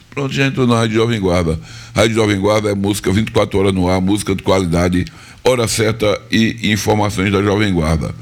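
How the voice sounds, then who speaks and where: A man from northeastern Brazil, hosting a live radio music show, slightly hoarse and chatty, repeating details for listeners. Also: lowish voice. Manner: chatty, repeats phone numbers and tags lines with "viu?" and "né?". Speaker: radio host. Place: radio studio.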